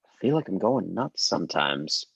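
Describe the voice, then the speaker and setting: A man acting an earnest, troubled teenage son who speaks haltingly and deferentially in a drama table read. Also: low-pitched, big pitch swings, creaky, a bit bright, slightly rough, no echo, full character voice. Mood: pleading, dejected. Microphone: video call microphone.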